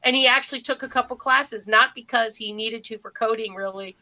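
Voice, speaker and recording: Bright, high-voiced woman chatting casually. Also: fairly quick. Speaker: podcast co-host. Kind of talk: casual chat, telling anecdotes.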